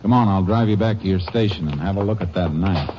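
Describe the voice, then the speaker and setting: An actor playing a steady, shrewd Texas Ranger who investigates and narrates in a terse, matter-of-fact 1950s radio western style. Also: male voice, sits low, quick pace, lightly acted. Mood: brisk, probing. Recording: muffled old-time radio recording with music.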